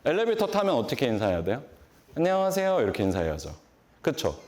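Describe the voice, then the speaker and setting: Animated Korean man in his forties lecturing. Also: on the low side, very fast. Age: 40s. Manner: animated, asks the audience questions and acts out greetings. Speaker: beauty industry lecturer. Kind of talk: conference keynote talk. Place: large conference hall.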